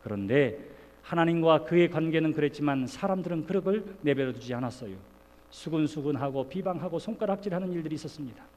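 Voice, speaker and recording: A middle-aged male pastor preaching an earnest sermon, moving between soft, confiding lines and loud exclamations. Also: a little high, expressive, fast talker. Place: church sanctuary. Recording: long church reverb.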